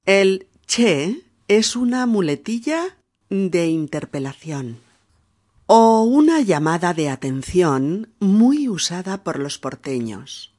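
A woman from Spain with a Peninsular Spanish accent, teaching a language lesson patiently and checking in with soft "mm?" prompts. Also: fairly low pitch, sing-song, slow.

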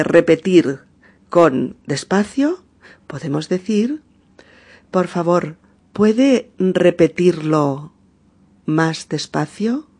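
This podcast teacher has a Spain Spanish accent and talks at an unhurried, very slow pace. Key expressions are repeated carefully for learners, with small fillers and gentle check-ins between them. The voice sits at an average pitch and sounds patient and methodical. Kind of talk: slow, clearly spoken teaching narration.

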